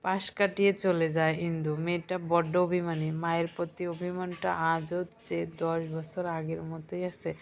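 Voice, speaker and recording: A woman narrating a romantic story in a calm, even reading. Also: lowish voice, a little hiss or hum.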